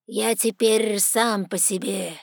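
Woman doing a hoarse sardonic talking raven. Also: medium pitch, fairly even intonation, no room sound, clean studio sound. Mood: cold, mocking. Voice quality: hoarse, croaking. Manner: slow, cold, mocking. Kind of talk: audiobook character voice.

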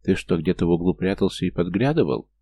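A man reading an audiobook voices an anxious, earnest young woman in a soft, pleading way. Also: sits low, lively intonation, fast.

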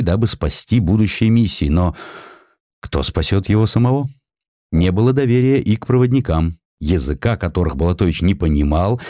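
A man with a low voice narrates a historical tale. His delivery is theatrical and very animated, with wide melodic swings. The sound is dry and intimate. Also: no echo. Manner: expressive, theatrical storytelling. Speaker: audiobook narrator. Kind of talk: dramatized narration of a historical story.

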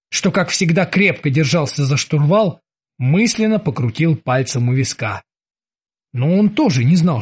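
Husky high-voiced male narrator. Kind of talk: audiobook narration.

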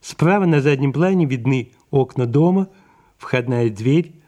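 A man reading the stage directions of an audio drama in a measured, even delivery. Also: medium pitch. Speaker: narrator.

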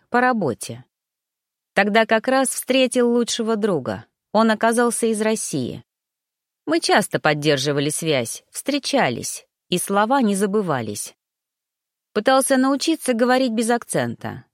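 A woman narrating a first-person story aloud, reading a gruff man's thoughts with expression. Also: medium pitch, no room sound, clean studio sound. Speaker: audiobook narrator.

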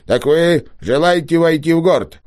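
A man's voice: fairly high pitch, normal speed, darkish tone, pitched above the performer's own voice, close to an everyday voice. A man voicing a tearful old mayor who cannot count, whiny and pleading. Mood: pompous.

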